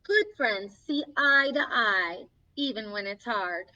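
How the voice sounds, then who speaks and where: Playing Snow White as a sweet, encouraging young princess, a woman hosts a children's story time, reading a picture book aloud in a sing-song, reassuring way. Her voice is a little high, lively in intonation, slow, pushed, bright and exaggerated, with a warm, encouraging mood. The recording is from a distance and sounds slightly dull.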